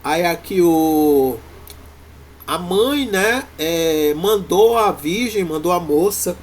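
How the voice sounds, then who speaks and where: A man with a Brazilian Portuguese accent, teaching a university Greek class in a halting way, full of fillers and restarts. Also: high-pitched, expressive. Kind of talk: classroom lecture.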